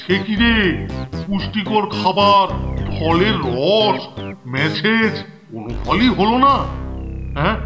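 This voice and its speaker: Flustered, high-pitched blustering hostel superintendent. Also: male voice, expressive, slow pace, over music. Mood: alarmed, puzzled. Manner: stammering, repeats words, blustering. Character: flustered, gullible, blustering middle-aged male hostel superintendent. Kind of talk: exaggerated children's cartoon acting.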